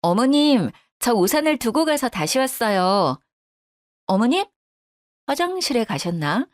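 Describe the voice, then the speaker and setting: A woman's voice: a little high, big pitch swings, a little slow, no room sound, studio quality, voice pushed up. A woman voicing a polite, dutiful young daughter-in-law who talks deferentially and protests sharply when provoked.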